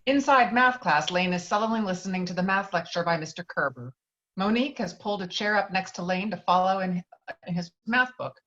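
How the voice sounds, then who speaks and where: A woman's voice: on the low side, animated, fairly quick, fairly bright tone. Woman reading screenplay directions, dull audio. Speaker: stage directions reader. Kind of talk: scripted narration of a screenplay.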